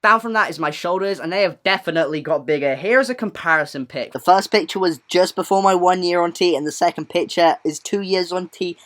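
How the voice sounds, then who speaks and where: A man's voice: high-pitched, fairly quick, few pauses, fairly bright tone. A young trans man giving a chatty, rambling update vlog to his viewers, joking at his own expense. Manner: chatty, rambling, self-deprecating. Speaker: vlogger.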